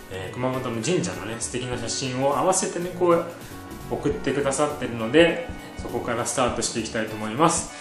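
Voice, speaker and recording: Clear music runs behind the voice. The speaker is a man. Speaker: flower design instructor. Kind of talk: video host introduction. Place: home room.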